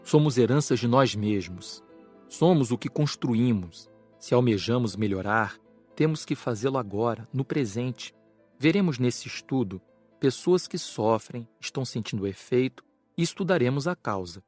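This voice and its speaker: A man with a Brazilian accent playing an earnest spirit doctor who lectures on an audiobook, measured, didactic and carefully enunciated. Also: mid-range voice, expressive, darkish tone, soft background music, close to an everyday voice. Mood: measured, instructive. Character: Frederico, earnest spirit doctor teaching karma.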